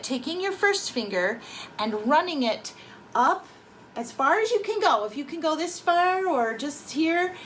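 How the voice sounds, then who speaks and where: A woman violin teacher explaining techniques gently and clearly, and telling a short spooky story with growing emphasis, with violin playing between her phrases. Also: high-pitched, a little hiss or hum, low-quality recording. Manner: storytelling with rising dramatic emphasis. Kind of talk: violin lesson with a told story. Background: violin sound effects between phrases.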